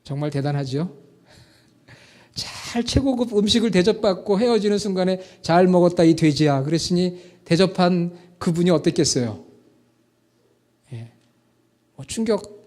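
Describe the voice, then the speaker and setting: High-voiced Korean-speaking male preacher. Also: animated, normal speed, pauses often, dark tone. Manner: storytelling preacher, asks the congregation questions. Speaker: pastor. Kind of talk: sermon.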